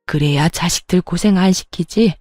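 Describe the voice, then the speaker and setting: A woman's voice: fairly low pitch, normal speed, dark tone, no echo, studio quality, soft background music, lightly acted. A woman voicing a scheming, spiteful older mother-in-law who mocks and puts on a show of innocence. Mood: fake wailing. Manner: mocking, then falsely wailing.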